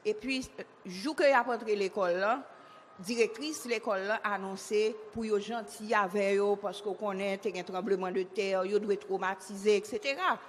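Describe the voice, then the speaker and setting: A woman's voice: medium pitch, moderate pace, slight background noise. Woman telling a story in a reverberant hall. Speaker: interviewee. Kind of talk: casual personal account.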